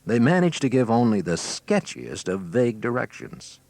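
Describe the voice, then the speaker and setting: A man's voice: medium pitch, big pitch swings, normal speed, creaky, a little mellow, no echo. A man narrating a scripted training filmstrip in a wry, theatrical storytelling manner, recorded on an old 1980s cassette. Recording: noisy 1980s cassette with clicks.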